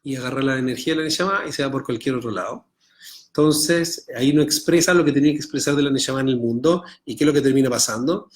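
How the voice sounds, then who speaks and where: A man's voice: mid-range voice, fast talker. A middle-aged man with a Chilean Spanish accent teaching an online Torah class, reading Hebrew text aloud and translating it line by line, often checking in with his students.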